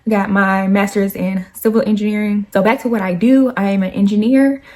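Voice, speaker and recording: A woman's voice: medium pitch, steady tone, fairly quick, warm tone. A woman, chatting casually and laughing often as she answers get-to-know-me questions. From Nashville, Tennessee. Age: 20s. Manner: chatty, laughs often, slangy asides to viewers. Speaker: YouTuber.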